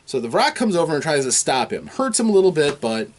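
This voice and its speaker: Animated man recapping a game. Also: a little high, quick pace. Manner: chatty, with frequent fillers, acts out characters' lines. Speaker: game master. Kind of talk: recapping a tabletop game session.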